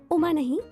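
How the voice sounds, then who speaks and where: A woman dubbing a proud young female medical student with a sharp, indignant manner. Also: a little high, heavily acted. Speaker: hero's girlfriend, medical student. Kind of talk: Hindi film dub.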